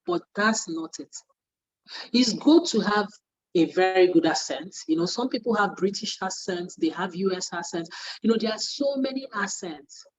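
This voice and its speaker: Husky woman teaching trainees. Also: medium pitch, low-quality recording. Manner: earnest, repeats points for emphasis. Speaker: media training facilitator. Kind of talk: spoken lesson to trainees.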